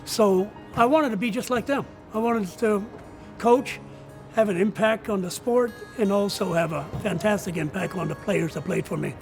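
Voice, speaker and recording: An older man with a high-pitched, gravelly voice answers interview questions as a coach. He is a non-native English speaker and talks earnestly, often repeating words as he goes, with faint music behind him. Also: moderate pace. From outside the United States. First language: not English. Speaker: college soccer coach.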